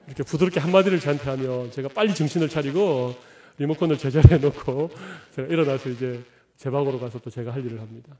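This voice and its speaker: A man's voice: medium pitch, fast, dark tone. A middle-aged man preaching a sermon as pastor, conversational and humorous, acting out little quotes of everyday talk.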